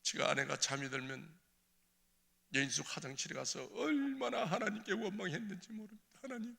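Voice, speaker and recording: Church elder, gravelly and piercing, giving a tearful, impassioned testimony that swings from hushed to crying out, in a reverberant sanctuary. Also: male voice, high-pitched, fairly quick.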